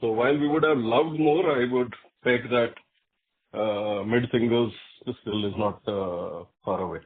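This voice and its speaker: A man's voice: mid-range voice, measured pace. A man with an Indian accent, a company executive explaining business performance on a conference call. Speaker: company executive answering analysts. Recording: narrowband phone conference line.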